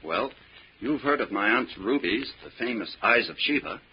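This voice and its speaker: A man's voice: mid-range voice, lively intonation, normal speed, lightly acted. An actor playing a scheming young man-about-town in gambling debt, suave, clipped and brazen, in 1940s radio drama style. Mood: smooth, scheming. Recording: muffled, noisy vintage radio recording.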